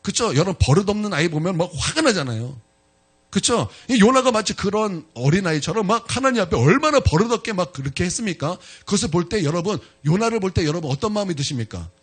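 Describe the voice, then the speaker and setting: A male pastor preaching a sermon in church, retelling a story in an animated way and talking directly to his congregation. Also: sits high, quick pace, slightly rough.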